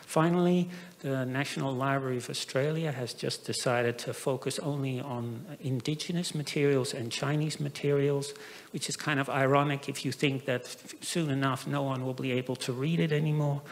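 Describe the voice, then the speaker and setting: A man's voice: medium pitch, fairly even intonation, moderate pace, in a large hall. A middle-aged man, a professor, giving a conference presentation into a handheld microphone, hesitant with many fillers and restarts. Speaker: professor presenting at an academic forum. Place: conference hall.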